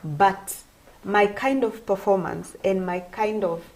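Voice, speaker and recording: A woman's voice: medium pitch, steady tone, takes it slowly, darkish tone. A woman from Kenya, a gospel singer and vocal coach, giving earnest, explanatory interview answers and repeating phrases for emphasis.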